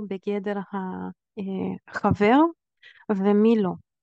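A woman talks at a medium pitch. The sound is dry and close, with no echo. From Israel. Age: 30s. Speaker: life coach and therapist. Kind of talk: solo podcast monologue.

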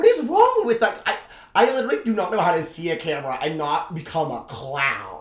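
An animated tone with very wide pitch swings at a fairly quick pace, over noticeable background noise. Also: man, high pitch for a man. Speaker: standup comedian. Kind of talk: casual comedic chat. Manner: animated, jokey.

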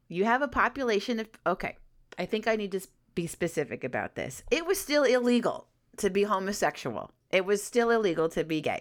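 A woman with an American accent talks at a fairly quick pace, her pitch swinging very widely. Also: medium pitch for a woman. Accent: New York, stronger on NYC topics. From upstate New York. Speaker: podcast host, former funeral director. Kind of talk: casual chat on history and politics.

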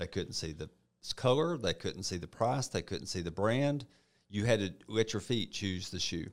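With a plain, everyday voice, a man at fairly low pitch talks at a moderate pace in a very clean recording with a silent background. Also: lively intonation. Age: 50s. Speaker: running store owner. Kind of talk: casual chat.

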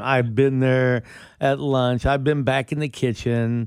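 This man speaks at a fairly slow pace with a medium pitch. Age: 60s. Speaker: restaurant owner and chef. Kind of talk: radio interview. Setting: studio. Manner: animated.

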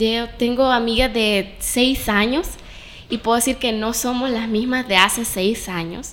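A fairly slow pace with fairly even intonation. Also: woman, fairly high pitch for a woman. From western El Salvador (Ahuachapán). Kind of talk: casual faith-based chat.

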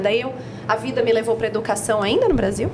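A woman's fairly high-pitched voice amid audible room echo and noticeable background noise. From Brazil, São Paulo (Interlagos). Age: 40s. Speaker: founder of a bilingual cultural project, former lawyer. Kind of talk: casual interview chat. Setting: café.

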